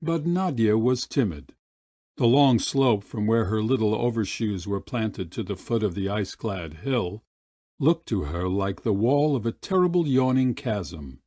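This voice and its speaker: A man narrating an audiobook short story in a measured, deliberate storytelling manner. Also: fairly low pitch, animated, warm tone, dry recording.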